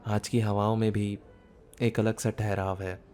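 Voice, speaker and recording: A man acting a shy, bookish man in his thirties in an intimate ASMR romance roleplay, speaking softly as if musing, with some background noise. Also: on the low side, flat delivery, soft background music, natural voice. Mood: gentle. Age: 30s. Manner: soft, unhurried, intimate, musing. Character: shy, bookish, self-doubting thirty-year-old man, tender romantic lead. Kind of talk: ASMR boyfriend roleplay audio drama.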